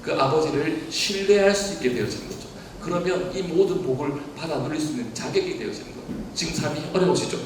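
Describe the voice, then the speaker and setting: A man's voice: a little high, fast, hardly any pauses, background noise. A man preaching as a pastor, asking the congregation question after question. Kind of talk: sermon. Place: church hall. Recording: echoey hall, voice from far off.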